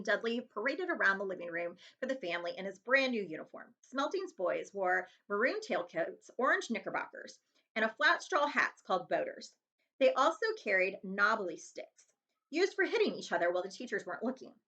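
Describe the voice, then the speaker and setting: A woman librarian reading a children's novel aloud in an expressive storytelling style. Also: medium pitch.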